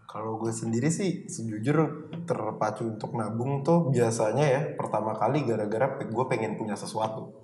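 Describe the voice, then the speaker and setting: A man, chatting casually in a group and often pausing with fillers. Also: lowish voice. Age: 30s. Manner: relaxed, filler-heavy Jakarta slang. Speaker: director and videographer. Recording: echoey room with long reverb, faint noise.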